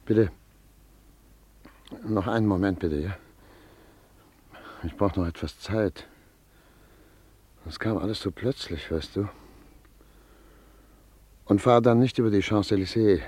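Anguished exiled doctor, earnest. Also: male voice, fairly low pitch, slow, pauses often, a little mellow. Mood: shaken, hesitant. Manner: earnest, pleading, insistent. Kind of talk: German radio drama acting.

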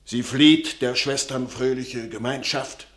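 A man's voice: mid-range voice, fairly even intonation, slow, a bit bright. An actor playing an anxious, pious old peasant father in a classical radio play, solemn and declamatory. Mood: brooding. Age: older.

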